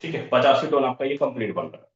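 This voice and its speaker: A man's voice: medium pitch, expressive, fast. A man running an online business training session, repeating figures as he walks through the sums step by step. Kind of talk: online training session explaining income plans. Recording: roomy, dull lo-fi online call audio.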